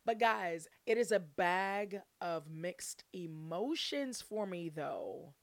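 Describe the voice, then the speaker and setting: Playful woman podcaster, lower-pitched and close. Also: animated, slow pace, no echo. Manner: exuberant, playful, chummy direct address to listeners. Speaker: podcast host. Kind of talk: casual solo podcast chat.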